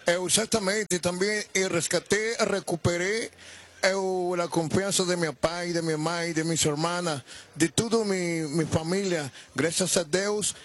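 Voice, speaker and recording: A man from Bolivia, a native Spanish speaker with a Bolivian Spanish accent, giving an earnest, halting testimony on live radio. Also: sits high, steady tone, fairly bright tone. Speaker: testifying churchgoer.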